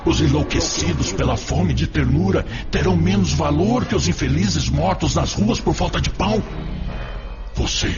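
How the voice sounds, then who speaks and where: A man's voice: fairly high pitch, vocal fry, heavily acted. An actor in a Portuguese-language radio drama playing an insinuating male tempter spirit, persuasive and goading, with rhetorical flourishes. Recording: dull audio under loud music.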